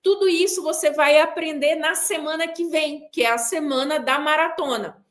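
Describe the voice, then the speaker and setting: A woman with a high voice talks straight to her viewers, seated for an online class. She is emphatic, driving her points home by repeating a short, clipped punchline again and again. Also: normal speed, a bit bright. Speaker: weight-loss coach hosting a pre-event class. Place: seated indoors.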